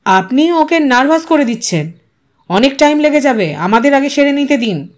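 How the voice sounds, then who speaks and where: A woman voicing a brisk, impatient young male TV reporter in a story, complaining and mixing English into his speech. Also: high voice, big pitch swings.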